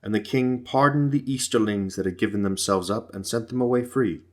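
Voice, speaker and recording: Low-pitched male audiobook narrator. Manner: formal, measured storytelling. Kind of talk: scripted narration of epic fantasy.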